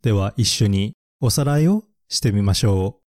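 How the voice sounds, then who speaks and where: A man hosting a picture-book English podcast, reviewing vocabulary slowly and carefully and repeating English words and phrases for learners. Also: fairly low pitch, lively intonation, a little mellow.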